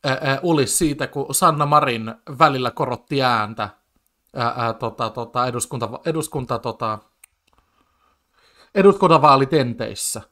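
A man's voice: mid-range voice, bright, forceful tone. A man commenting on a TV debate in casual speech, agitated and full of stammered restarts and fillers. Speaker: commentator reacting to a TV debate clip.

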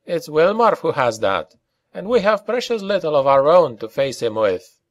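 A man's voice: on the high side, big pitch swings, moderate pace, no echo, studio quality, voice pushed up. A man voicing an earnest, worried and discouraged man in an audiobook. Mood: hopeless, rueful. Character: worried, discouraged local man at odds with tyranny.

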